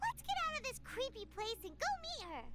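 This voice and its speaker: A squeaky, put-on character voice at an extremely high pitch comes through over loud background noise. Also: moderate pace. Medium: video game.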